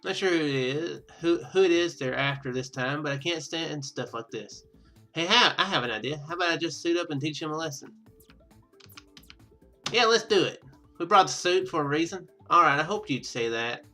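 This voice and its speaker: A man with a bright, forward voice, pitched a little high, plays through a video game. He reads the on-screen text aloud and rambles casually as he thinks out loud. Music plays behind him. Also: animated, moderate pace. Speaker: gaming video host. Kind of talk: casual let's play commentary, reading game text aloud.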